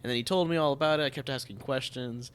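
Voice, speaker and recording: A man hosting a podcast, chatting casually in a halting, hesitant way. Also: medium pitch, fairly bright tone, smooth. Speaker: podcast host, theatre producer. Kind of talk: casual chat.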